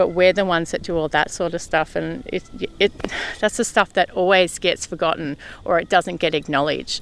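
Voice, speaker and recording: A woman with an Australian accent speaks in a fairly low pitch with fairly even intonation on a very clean recording with a silent background. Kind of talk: interview. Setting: outdoors.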